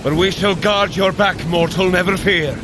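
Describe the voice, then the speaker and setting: An actor playing a bold, earnest Norse thunder god in an audio drama, protective and hearty, with formal old-fashioned phrasing. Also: male voice, high voice, fairly even intonation, normal speed, noisy background, lightly acted. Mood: resolute.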